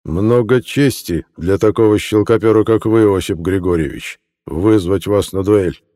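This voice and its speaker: A man's voice: medium pitch, big pitch swings, moderate pace, darkish tone, slightly rough, voice pushed up. A man voicing a haughty judge who speaks with clipped disdain. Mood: contemptuous.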